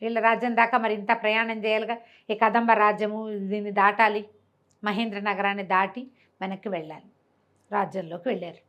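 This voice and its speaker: A woman's voice: medium pitch, level tone, fairly quick, dull audio. A woman with a Telugu accent telling a folk tale conversationally, explaining as she goes and acting out dialogue in her own voice. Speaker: storyteller.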